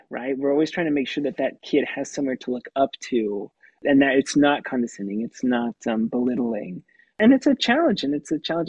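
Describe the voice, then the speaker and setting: A puppeteer and voice actor talking through his craft in an interview, with a light, youthful tenor voice and an animated manner that breaks into laughs. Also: a little high, breathy edge, dry recording, lo-fi sound. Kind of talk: conversational interview answers.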